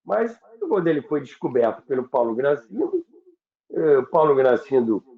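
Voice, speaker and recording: A Brazilian man explaining things in unscripted talk, didactic and halting, often repeating and rephrasing his points. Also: medium pitch, sing-song. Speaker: radio history commentator and guest. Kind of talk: unscripted explanatory talk recalling broadcasting history. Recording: echoey, narrow phone-like call sound.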